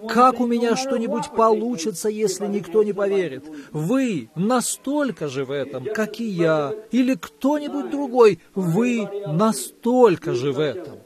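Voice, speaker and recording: A man preaching a sermon, hoarse from a cold, earnest and pleading as he addresses his congregation and calls on people by name. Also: sits high, animated, measured pace, a crowd in the background.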